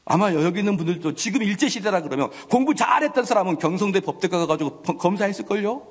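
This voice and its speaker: A man preaching a sermon as pastor, animated, acting out family quarrels. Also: sits high, fast talker, slightly rough. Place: church sanctuary. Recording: long church hall reverb.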